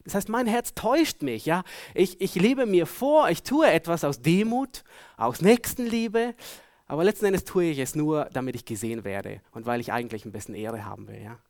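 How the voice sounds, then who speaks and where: A man preaching a sermon, earnestly putting searching questions to his listeners and moving between loud emphasis and hushed tones. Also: on the high side, lively intonation, normal speed, no echo, studio quality.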